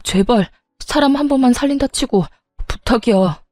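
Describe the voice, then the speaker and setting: A woman's voice: a little high, normal speed, mellow, no room sound, studio quality, lightly acted. A woman voicing a pleading young husband who begs in a desperate, whiny way. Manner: begging, whiny.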